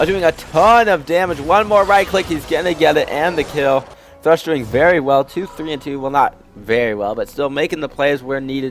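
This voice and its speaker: Music plays in the background as a man with an American accent talks at a fairly quick pace with lively intonation. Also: fairly high pitch for a man. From Washington state, USA. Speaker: esports shoutcaster. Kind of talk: video game play-by-play commentary. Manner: upbeat, energetic.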